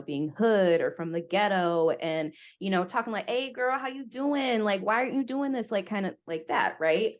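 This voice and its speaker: Candid, lively woman sharing her story. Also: lowish voice. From United States. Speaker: podcast guest. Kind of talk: casual interview conversation.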